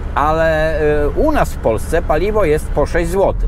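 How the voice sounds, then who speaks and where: A man's voice with a dry sound with no echo and light background noise. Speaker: driver vlogger. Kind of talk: casual vlog chat. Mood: mildly sarcastic, opinionated. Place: car. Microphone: camera far.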